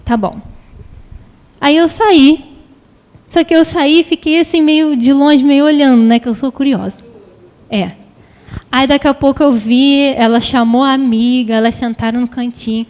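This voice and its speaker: A woman's voice: high voice, moderate pace, long pauses, darkish tone. A Brazilian woman giving a public talk on emotional education, speaking conversationally and putting questions to the audience. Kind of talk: public lecture with anecdotes. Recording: long hall reverb.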